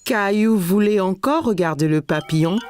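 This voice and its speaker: A woman's voice: medium pitch, normal speed, a little mellow, faint music behind, close to an everyday voice. A woman narrating a scripted children's cartoon story in a storybook manner for young listeners.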